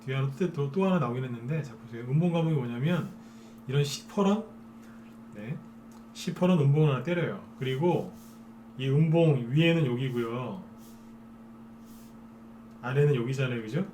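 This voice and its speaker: Male stock-show host, mid pitch, coaxing lecture style, faint hiss underneath. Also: normal speed, long pauses, mellow. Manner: persuasive, keeps asking listeners to agree. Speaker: stock market broadcaster. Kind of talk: live stock trading lecture.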